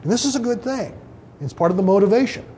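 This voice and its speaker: Mellow-voiced preacher man, conversational. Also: high voice, expressive, fast, a little hiss or hum. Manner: conversational, many fillers and restarts, reads quotations aloud. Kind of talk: informal Bible teaching.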